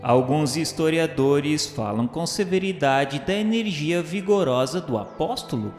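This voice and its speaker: A man with a Brazilian Portuguese accent reads a religious radio drama narration in a formal, solemn, measured way. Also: on the high side, animated. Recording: roomy reverberant sound with music underneath. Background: music.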